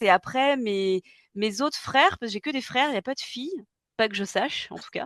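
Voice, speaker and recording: Her speech has ordinary pitch variation and a moderate tempo. The background is quiet, and the sound is dry and close with no echo. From southern France (Var, near Toulon). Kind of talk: casual interview conversation. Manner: hesitant, many fillers.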